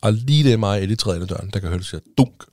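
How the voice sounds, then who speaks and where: A man's voice: lowish voice, lively intonation, a little mellow, dry recording. A man with a Danish accent, a father talking as a podcast guest in casual chat, rambling with many restarts and fillers.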